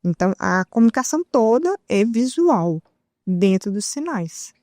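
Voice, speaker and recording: A woman with a Brazilian Portuguese accent, a talk show guest, explaining lively and demonstrating examples as she talks. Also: fairly high pitch, unhurried, no echo, clean studio sound. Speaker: guest, sign language interpreter.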